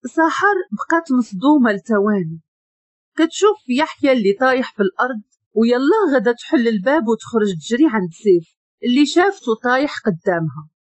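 Moroccan woman reading a drama story, husky voice, lots of ups and downs in her pitch. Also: a little fast, no echo. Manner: expressive, shifts voice for characters.

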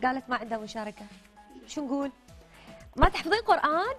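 A woman's voice: high voice, big pitch swings, quick pace, a bit bright, faint music behind. A woman in her thirties with a Gulf Arabic accent, presenting a children's quiz show and prompting with short repeated questions and phrases. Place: colourful indoor TV studio children's set.

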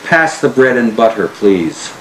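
A man reads short everyday sentences aloud in a plain, measured voice of ordinary pitch. The small lab room around him adds a clear echo. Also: sing-song, fairly bright tone, a little hiss or hum. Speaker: researcher reading test sentences. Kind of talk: reading test sentences aloud. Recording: echoey room.

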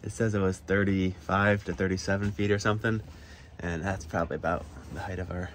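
A man in his thirties vlogging casually from a small sailboat, thinking aloud in a relaxed, rambling way, filmed on a phone at arm's length outdoors. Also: low-pitched, fairly quick. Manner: relaxed, thinking aloud, drifting between topics. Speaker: sailing vlogger. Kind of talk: casual vlog narration. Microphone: phone camera held at arm's length. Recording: wind and water noise.

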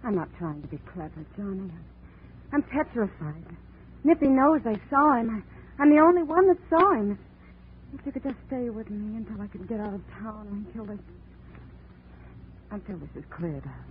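An actress playing a melodramatic femme fatale in 1940s radio style, pleading in halting, stammering phrases. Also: female voice, mid-range voice, lively intonation, lightly acted. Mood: frightened, pleading. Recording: muffled, noisy 1940s radio recording.

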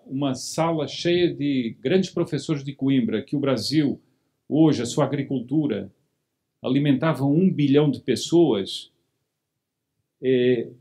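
A man's voice: medium pitch, warm tone. A middle-aged man giving a formal political speech from a podium in a hall, asking rhetorical questions and repeating words for emphasis. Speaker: lecturer at a monarchist meeting.

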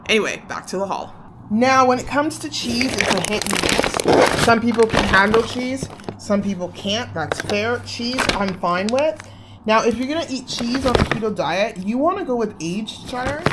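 A vlogger from Canada, in her thirties, shows off her grocery haul in a casual home video, sharing strong opinions with emphasis. She speaks at a fairly high pitch with a fairly bright tone, recorded on a camera held at arm's length in her small living room with slight background noise.

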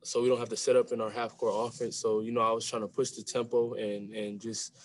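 A young man speaks quietly in a low, flat voice, answering press questions after a game. He often repeats a word or two before getting his thought out. The sound comes through a webcam on a video call from a small room. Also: a little fast. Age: young adult. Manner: soft-spoken, repeats words when starting phrases. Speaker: college basketball player. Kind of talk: postgame press conference. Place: small room with a sponsor backdrop.

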